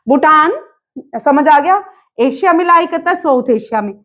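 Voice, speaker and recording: A woman's voice: high-pitched, expressive, moderate pace, a bit bright. A woman teaches an exam-prep lesson. She keeps asking her students questions and then answers them herself, drilling each point. English terms run all through her speech. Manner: mixes English terms into Hindi.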